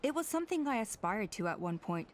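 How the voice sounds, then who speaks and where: A woman's voice: mid-range voice, sing-song, fast, lightly acted. A woman playing a gracious, self-effacing female tribal elder in a video game, speaking politely and with measure. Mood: self-deprecating.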